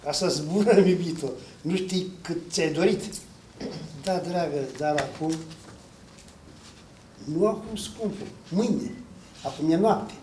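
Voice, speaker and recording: A man's voice: fairly high pitch, pauses often, warm tone, a little hiss or hum, natural voice. A man voicing a boastful, restless husband who talks with swaggering, drawling reassurance. Heard from far off in an echoey hall.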